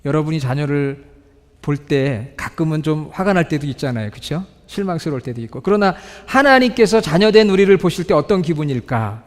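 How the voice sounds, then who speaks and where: A man preaching a sermon to his congregation, asking them questions and reading scripture slowly. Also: on the high side, expressive. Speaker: pastor. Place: church sanctuary. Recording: reverberant church hall.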